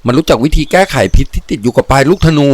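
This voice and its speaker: A man voicing a desperate young noblewoman who pleads and shouts in a high, drawn-out voice. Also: breathy edge, full character voice. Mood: urgent.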